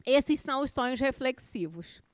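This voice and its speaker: A woman's voice: high voice, animated, moderate pace, clear, resonant tone, dry recording, studio quality. A woman in her forties with a Brazilian accent from Rio, giving an informal lecture in a colloquial, conversational way, often checking in with her listeners through questions. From Rio de Janeiro, Brazil. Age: 40s. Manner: conversational, colloquial, personal storytelling. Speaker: spiritist course lecturer.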